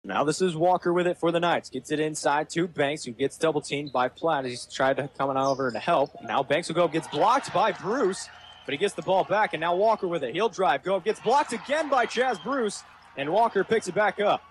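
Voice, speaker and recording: A young man calls basketball play by play in a fairly high voice. He follows the action live as a sportscaster, with faint game noise around him. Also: a little fast. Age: young adult. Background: basketball game ambience.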